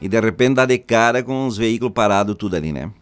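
A man's voice: on the low side, lively intonation, fast talker, smooth, faint music behind. A man with a Rio Grande do Sul accent hosting a morning radio show, folksy and joking. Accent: Rio Grande do Sul Portuguese. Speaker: radio host.

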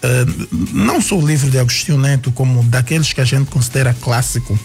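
A man, a radio guest answering questions thoughtfully with many pauses, fillers and restarts. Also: mid-range voice, a little mellow, faint music behind. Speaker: guest writer.

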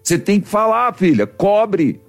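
A man's voice: sits high, big pitch swings, measured pace, gravelly, faint music behind. A man with a Brazilian accent, a priest hosting a religious call-in radio show, talking in a pastoral, exhorting way.

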